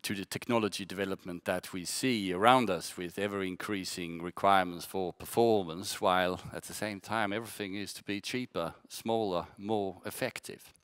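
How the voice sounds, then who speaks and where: A Swedish man with a Skåne accent gives a measured conference presentation about his company, often restarting and repeating words. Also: sits low, steady tone, fairly bright tone, clear, resonant tone, no room sound, studio quality. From Sweden.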